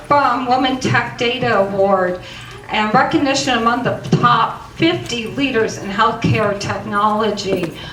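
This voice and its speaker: A woman emceeing at a conference, introducing the speaker with giggles and stumbling over words. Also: a little high. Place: conference hall with audience. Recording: echoey hall, far from the mic, audience noise.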